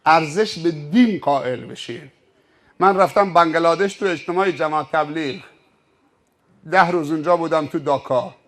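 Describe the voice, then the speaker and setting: A man preaching a sermon, telling stories emphatically and acting out the scenes. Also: fairly high pitch. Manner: emphatic, vivid, acts out scenes. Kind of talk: sermon with dramatized storytelling.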